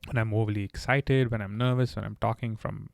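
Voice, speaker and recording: In this candid solo podcast, a male host earnestly hands out advice at a brisk pace, occasionally stammering and restarting a phrase. His fry-tinged, gravelly voice holds a fairly even intonation, keeping a level pitch. The sound sits close and dry, without any room or echo.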